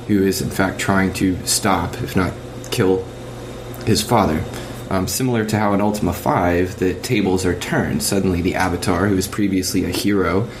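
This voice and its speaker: A man in a casual, analytical podcast discussion, explaining points about games in a measured, thoughtful way on a dated amateur recording. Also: low voice, background noise.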